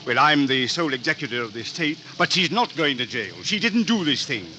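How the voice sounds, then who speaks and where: An actor playing a polished, indignant wealthy uncle who turns menacing, in a 1940s radio drama. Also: male voice, on the high side, big pitch swings, a little fast, pushed and bright. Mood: defensive. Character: scheming wealthy older male uncle, killer. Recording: old radio broadcast with noise.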